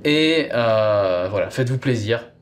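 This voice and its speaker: A man's voice: mid-range voice, expressive, a little slow, a little hiss or hum. A man hosting a review show, chatting casually as he presents and gives his opinion. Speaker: host reviewing audio sagas.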